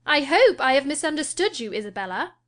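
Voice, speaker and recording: A woman's voice: sits high, very animated, fairly quick, fairly bright tone, pitched above the performer's own voice. A woman voicing a scornful, imperious young lady. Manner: scornful and emphatic. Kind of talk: audiobook character voice.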